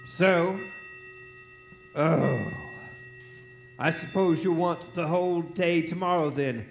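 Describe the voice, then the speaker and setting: A man's voice: on the high side, slow pace. A man playing a grumpy, miserly old businessman in a stage radio play, curt, scolding and theatrical. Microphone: shared stage microphone. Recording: live stage recording with music.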